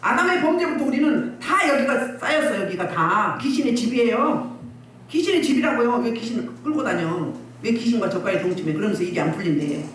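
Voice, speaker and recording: Woman pastor, scolding sermon style; animated delivery, distant roomy recording with faint hiss. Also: a little high. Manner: scolding, exhorting, rhetorical questions. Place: church hall. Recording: echoey distant church recording, faint noise.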